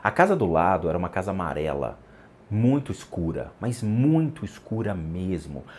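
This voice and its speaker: A man in his forties telling a personal story in an unhurried, reflective way, with pauses and restarts. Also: sits low, big pitch swings, a little mellow, slight background noise. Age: 40s. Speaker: vlogger. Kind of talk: storytelling vlog about a haunted childhood house.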